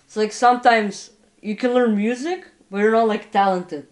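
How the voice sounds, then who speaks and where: A man's voice: sits high, fairly even intonation, normal speed. A man from Canada giving casual, reflective answers as an interview guest. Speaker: interview guest, musician and painter.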